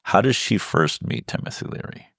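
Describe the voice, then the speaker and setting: A man in his fifties hosting an interview, asking questions in a relaxed, conversational way with frequent fillers. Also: normal speed, no echo, studio quality. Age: 50s. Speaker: podcast host.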